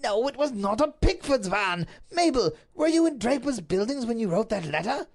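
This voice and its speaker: A woman voicing a grave, bewildered middle-aged Duke who speaks slowly and firmly. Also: a little high, very animated, pitched above the performer's own voice. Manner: slow, grave, measured.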